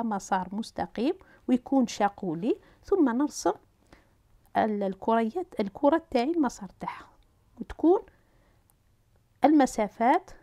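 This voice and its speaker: A woman with an Algerian Arabic accent teaching a physics lesson, talking students through each step as she writes and draws, pausing with fillers and restarting. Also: fairly high pitch, dark tone.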